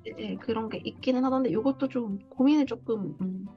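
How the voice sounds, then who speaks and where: A woman's voice: on the high side, a little fast. Tentative woman on a dull video call. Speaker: coaching client, tea class instructor. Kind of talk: casual consultation talk. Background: faint guitar music.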